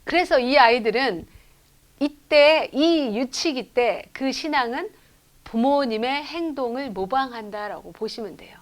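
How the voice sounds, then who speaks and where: A middle-aged woman professor giving a church education lecture, telling lively stories and asking the audience rhetorical questions. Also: high voice, a little slow. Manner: acts out children's lines in quotes. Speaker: professor lecturing at a lay school.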